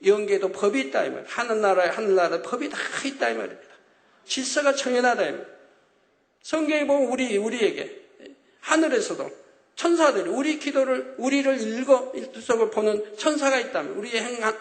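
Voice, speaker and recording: A man preaching in a church sanctuary, his voice pitched very high and swinging widely as he drives home each point again and again. His words ring out in a roomy hall with a long reverb tail. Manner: emphatic, repeating phrases, rising to loud exclamations. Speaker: pastor. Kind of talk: sermon.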